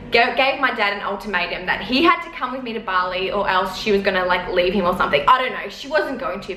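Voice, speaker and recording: A woman's voice: medium pitch, pushed and bright. A young woman in her twenties rambling chattily with lots of fillers while telling a story from her lounge room. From Australia. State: sore eyes from smoke. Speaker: vlogger. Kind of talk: casual storytelling to camera. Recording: echoey room, faint background noise.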